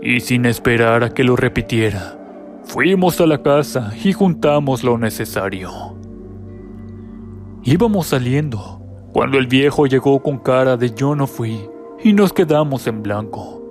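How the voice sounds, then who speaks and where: A man gives scripted narration of a first-person horror tale. His delivery is measured and dramatic, at a middling pitch. Faint music plays underneath. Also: lively intonation. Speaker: storyteller.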